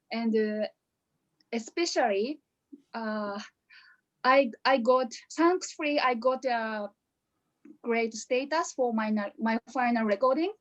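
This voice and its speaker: A woman's voice: fairly high pitch, lo-fi sound. A woman from Japan with a Japanese accent, giving a hesitant graduation speech with many restarts over a video call. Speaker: coaching graduate.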